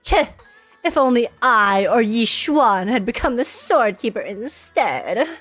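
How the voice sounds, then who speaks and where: A woman's voice: on the high side, very animated, takes it slowly, a bit bright, faint music behind, exaggerated voice. Woman reading as a pompous, grumpy old male elder. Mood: scornful. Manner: pompous, scolding, formal. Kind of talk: reading game dialogue in character.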